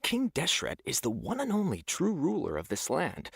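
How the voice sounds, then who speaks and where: A man voicing a gruff, raspy desert villager in a video game. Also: on the high side, huge pitch swings, normal speed, no echo, clean studio sound, exaggerated voice. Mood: devout, skeptical. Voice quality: gravelly, raspy. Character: gruff, doubting desert villager, devout but easily cowed.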